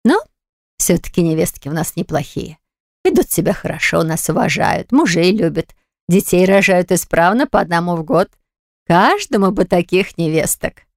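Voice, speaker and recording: A woman voicing an older mother and grandmother who nags and flares up quickly. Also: medium pitch, dry recording, studio quality, close to an everyday voice. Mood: conciliatory. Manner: emotional, scolding, nagging.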